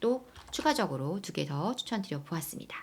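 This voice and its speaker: Her pitch rises and falls over a very wide range. This woman's delivery is very fast. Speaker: real estate investment YouTuber. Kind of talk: investment advice talk.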